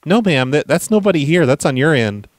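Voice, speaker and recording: A prank caller voicing a flustered male store employee through a deep pitch-shifted voice changer, stammering and repeating words. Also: expressive, fairly quick, dry recording, clean studio sound. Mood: dismissive.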